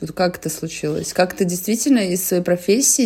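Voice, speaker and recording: A woman speaks at a moderate pace with a fairly low pitch. Her tone is dark and mellow. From Russia, Kaliningrad. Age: 30s. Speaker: podcast co-host, feminist organization co-founder. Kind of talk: casual chat. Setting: in person, together in Antwerp.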